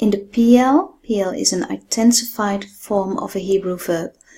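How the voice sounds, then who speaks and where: A woman speaks at a fairly slow pace with a medium pitch and ordinary pitch variation. Her voice is somewhat breathy, with a dark, mellow tone. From Netherlands. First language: Dutch. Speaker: bible teacher. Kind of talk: lecture. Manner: halting, many fillers.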